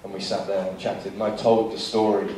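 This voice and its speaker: A man's voice: lowish voice, brisk, recorded from a distance. A man in his forties, a filmmaker on a seminar panel, telling stories and acting out other people's lines. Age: 40s. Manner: lively storyteller who acts out other people's lines. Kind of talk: anecdotal seminar talk. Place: seminar hall. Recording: very echoey hall, voice from afar.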